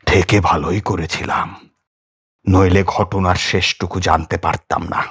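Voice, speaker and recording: A man's voice: sits low, fairly even intonation, measured pace, a bit bright, husky. A man narrating a horror audiobook in a theatrical, suspenseful manner. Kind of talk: dramatic scripted horror story narration. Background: music.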